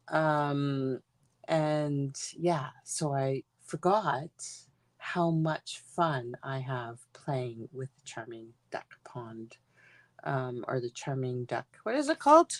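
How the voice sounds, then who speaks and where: A congested woman with a low voice talks slowly and chattily while running a live card-making demo from her home craft room. She rambles through announcements, sounding stuffed up throughout. The recording is dry, with no room echo. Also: darkish tone. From Guelph, Ontario, Canada. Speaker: stamping demonstrator.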